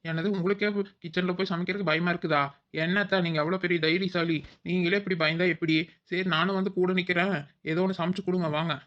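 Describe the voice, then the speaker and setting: A quick, whiny young daughter-in-law in a cartoon, voiced by a performer, often muttering to herself. The recording sounds dull and lo-fi. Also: mid-range voice, little pitch movement, fairly bright tone, natural voice. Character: young village daughter-in-law, hungry and exasperated. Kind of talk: cartoon voice acting.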